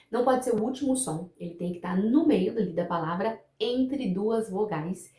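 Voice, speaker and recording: A woman whose first language is Portuguese teaches English pronunciation to camera, patiently repeating example words slowly for the viewer to practice. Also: medium pitch, mellow, echoey room.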